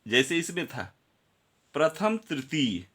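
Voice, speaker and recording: A man's voice: fairly high pitch, very animated, takes it slowly, fairly bright tone, husky. A male teacher giving a grammar lesson, counting syllables aloud and speaking directly to his students.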